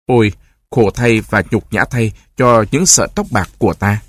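A man's voice: lowish voice, moderate pace, no room sound, lightly acted. A man voicing a fearful, lamenting old genie. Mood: alarmed. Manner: flowery, lamenting speech. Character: anxious old male genie, pompous, fearful.

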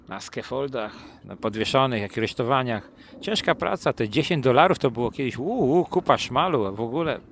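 A man's voice: medium pitch, a little hiss or hum. A man telling long, crude, colloquial stories in a casual podcast chat, with joking asides. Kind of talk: casual anecdotal storytelling.

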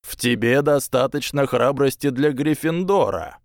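A man voicing a calm, wise magical talking hat in an audiobook. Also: medium pitch, measured pace, no room sound, studio quality, voice pushed up, lightly acted. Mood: calm, reassuring. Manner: calm, reassuring.

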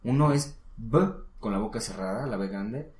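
A man's voice: lowish voice, normal speed, darkish tone. A man with a Mexican Spanish accent teaching English one-on-one, patient and encouraging, often checking in with the learner. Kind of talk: casual one-on-one lesson. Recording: roomy echo.

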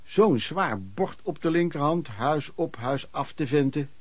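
An actor playing a hardworking itinerant peddler, looking back on his life in colloquial, reflective radio drama narration with a husky voice. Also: a little high, animated, a little slow, dry recording. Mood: proud, content.

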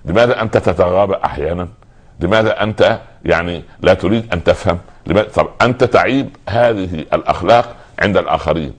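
A man preaching a sermon, pressing listeners with rhetorical questions that build in emphasis. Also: fairly low pitch. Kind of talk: religious sermon.

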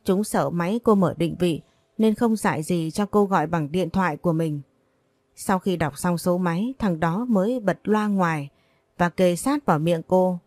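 A woman reading a story aloud as narrator, voicing the characters in the same even way. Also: fairly low pitch, normal speed, dry recording.

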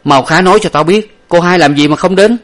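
A man voicing an impatient young gentleman, just returned from abroad, who speaks loudly and demands answers. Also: mid-range voice, animated, moderate pace, voice pushed up, lightly acted. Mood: demanding, angry. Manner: loud, demanding. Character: hot-tempered young gentleman, returning scholar.

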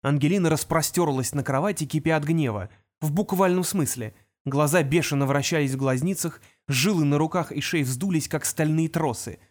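A woman's voice: low voice, normal speed, hardly any pauses, darkish tone. Woman narrating an audiobook. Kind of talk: scripted narration.

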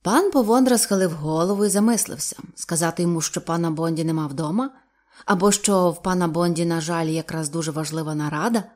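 A woman narrating an audiobook in a measured, expressive reading. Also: lowish voice.

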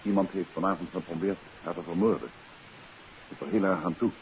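An actor playing a confident gentleman detective in a 1950s radio drama. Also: deep voice, a little fast, natural voice. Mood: reassuring, firm. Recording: dull, hissy 1950s radio recording.

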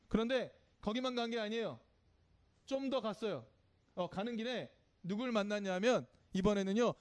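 A man's voice: high-pitched, smooth. A man giving a children's sermon in church, telling the story simply and asking the congregation questions as he goes. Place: church service.

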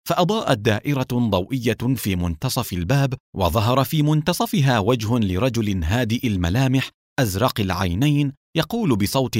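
A man narrating an audiobook in an expressive storytelling manner. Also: medium pitch, dry recording, studio quality.

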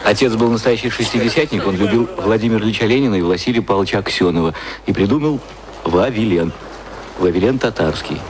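An actor playing a young literature graduate in a radio play, speaking in a plain, understated, conversational way. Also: male voice, fairly low pitch, fast talker, noisy background, natural voice. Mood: confiding, wry. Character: young male literature graduate, diffident, puzzled listener. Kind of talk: radio play dialogue and confiding monologue. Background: music.

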